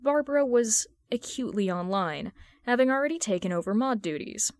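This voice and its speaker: A woman's voice: fairly high pitch, lively intonation, brisk, darkish tone, dry recording, clean studio sound. A woman reading fan fiction aloud as a narrator. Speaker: podfic narrator.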